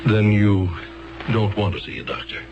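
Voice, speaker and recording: An actor playing an earnest, flustered American court-appointed lawyer in a 1970s radio drama, stammering and hesitating. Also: male voice, on the low side, flat delivery, moderate pace, muffled recording, close to an everyday voice. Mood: exasperated, coaxing. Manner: hesitant, stammering, throat-clearing. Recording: band-limited 1970s radio broadcast, music.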